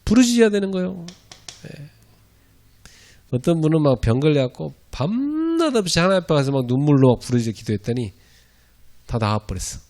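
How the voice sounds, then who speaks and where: A middle-aged male pastor preaching a sermon in a lively, conversational way, laughing often and breaking into loud shouted prayers. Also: fairly high pitch.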